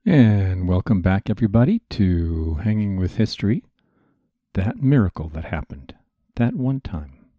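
A man's voice: sits low, very animated, a little slow, no room sound, lo-fi sound. A man hosting a history podcast, narrating from a script in a chatty, digressive lecturing manner with asides to listeners.

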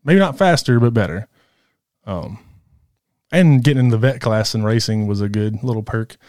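A man in his thirties, a guest in a casual interview, talking in a relaxed, candid way. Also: lowish voice, normal speed, no echo, studio quality. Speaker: guest rider.

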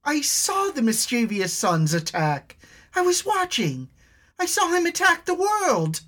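A young tribal woman from a spoken storybook, grieving and desperate, voiced by a man. Her pleas rise high and swing wildly, climbing toward shrill cries. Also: very animated, unhurried, fairly bright tone, husky, heavily acted. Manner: pleading, rising to shrill cries.

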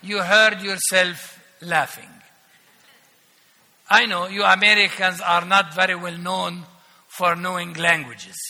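Older guy with preaching slow, ironic and emphatic, high bright voice echoing round a big church. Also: level tone. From Palestine. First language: Arabic. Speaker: archbishop preaching as guest. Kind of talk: sermon. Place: large church. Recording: echoey church hall.

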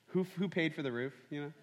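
A man preaching a sermon as pastor, conversational and full of rhetorical questions. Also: on the high side. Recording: long hall reverb.

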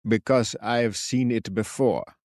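A man voicing a cracked-voiced, eccentric old male sentry of the woods, croaking slowly. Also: lowish voice, a little mellow, no echo, clean studio sound. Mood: mysterious. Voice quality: croaking, slow, theatrical.

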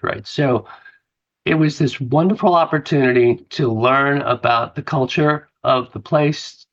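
A man's voice: mid-range voice, dull audio. A man in an interview, talking in an enthusiastic, conversational way about his work in events. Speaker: conference content chief. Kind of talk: podcast interview.

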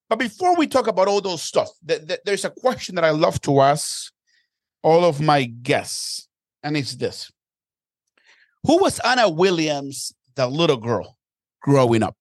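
A man's voice: fairly high pitch, no room sound. Enthusiastic male podcast host, dry sound. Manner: energetic, repeats words when starting sentences. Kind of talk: enthusiastic interview hosting.

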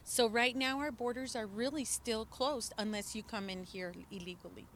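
A woman's voice: fairly high pitch, moderate pace, fairly bright tone, a little hiss or hum. A middle-aged woman from a border city, a native Spanish speaker, speaking earnestly and emphatically as an interview guest outdoors. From El Paso, Texas border region. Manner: earnest, emphatic, some restarts. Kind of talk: impassioned political testimony.

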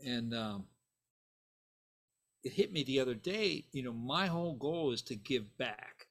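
A man's voice: medium pitch, animated, measured pace. An older man whose first language is Italian, telling stories in a casual interview and rambling with lots of "you know" and "right?". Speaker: bassist guest.

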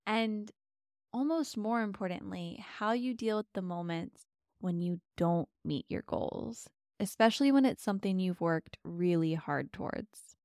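A woman guiding a meditation softly and soothingly, giving gentle, slow, spacious instructions as a host. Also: mid-range voice, expressive, dry recording, studio quality. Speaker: meditation podcast host and guide. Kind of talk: soft, soothing guided meditation.

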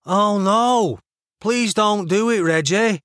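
A man's voice: sits high, slow pace, fairly bright tone, no echo, clean studio sound, voice pushed up. A man voicing a laid-back, sardonic bloke with a Mancunian accent, over-enunciated vowels and a blunt, half-hearted manner in an audiobook. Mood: half-hearted pleading.

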